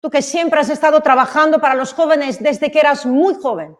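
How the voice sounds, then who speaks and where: A woman's voice: high voice, a little fast. A woman hosting a virtual awards event, putting questions to guests as the interviewer. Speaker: host, interviewer.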